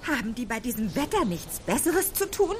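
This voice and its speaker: High-voiced, feisty little witch. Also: big pitch swings, normal speed, slight background noise. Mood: indignant. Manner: theatrical, indignant. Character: feisty, grumpy apple-tree witch, bossy and energetic. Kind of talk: children's audio drama acting.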